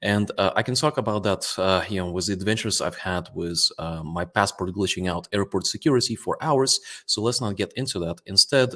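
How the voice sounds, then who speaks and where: Low-voiced man with a Latvian-Russian accent. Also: fairly quick, few pauses. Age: 30s. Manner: relaxed, many fillers, asks "right?". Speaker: company founder presenting results. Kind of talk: investor presentation.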